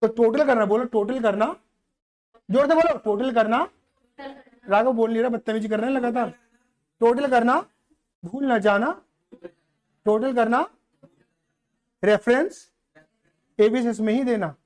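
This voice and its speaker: Guy teaching accounts to a live class, jokey, keeps asking kids if it's clear. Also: very high voice, moderate pace, long pauses, a little mellow. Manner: playful, teasing, keeps quizzing students.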